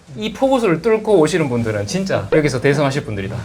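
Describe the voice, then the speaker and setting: Over noticeable background noise and audible room echo, a man talks very fast at a fairly high pitch with very wide pitch swings. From South Korea, Daegu. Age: 40s. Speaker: online business instructor. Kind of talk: lecture to small audience. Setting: offline class with audience. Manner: casual, conversational.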